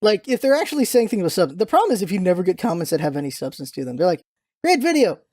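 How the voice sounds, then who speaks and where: A man hosting a casual gaming podcast, speaking haltingly as he thinks aloud. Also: high-pitched, very animated, darkish tone, no echo. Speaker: podcast host and gaming content creator.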